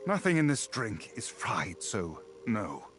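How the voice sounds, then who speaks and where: A man's voice: fairly low pitch, sing-song, takes it slowly. A man playing a weary, sanctimonious friar in an audio story, speaking in a formal, preachy manner. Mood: weary, irritable. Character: weary, pompous male friar, sanctimonious and secretive. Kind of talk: scripted character acting in an audio story game. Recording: music behind the voice.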